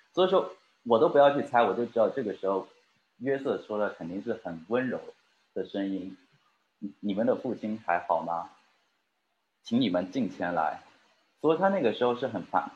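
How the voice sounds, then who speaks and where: A man's voice: lowish voice, a little mellow. Man preaching in a roomy hall. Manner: engaging, speaks straight to the congregation with questions. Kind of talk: sermon. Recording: roomy, dull lo-fi recording.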